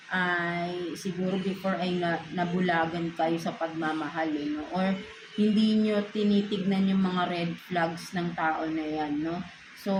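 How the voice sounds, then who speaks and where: Against background noise in an echoey room, a woman with a fairly low voice and a Filipino accent reads tarot casually. She switches between Filipino and English and keeps closing phrases with a questioning "no?".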